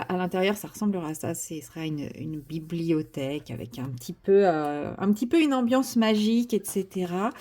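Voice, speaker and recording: A woman's voice: mid-range voice, dark tone. A woman vlogging casually from home, chatty and hesitant with many fillers and self-corrections, turning enthusiastic as she shows a craft kit. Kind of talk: casual vlog chat.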